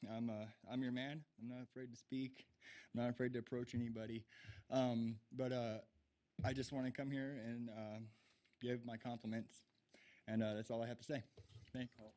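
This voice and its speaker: A candidate for local office steps up to the council podium and speaks in a plain, mid-pitched voice. He hesitates often and fills gaps with stalling sounds. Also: darkish tone. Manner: halting, many filler words. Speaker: county commission candidate, public commenter. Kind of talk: brief public comment. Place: city council chamber.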